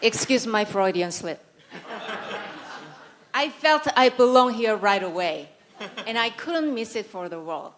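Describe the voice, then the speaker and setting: A woman's voice: a little high, animated, a little slow, pauses often, crowd noise. A woman from South Korea, a native Korean speaker, delivering a prepared conference speech in Korean-accented English, full of dry, sarcastic humor and mock-serious asides.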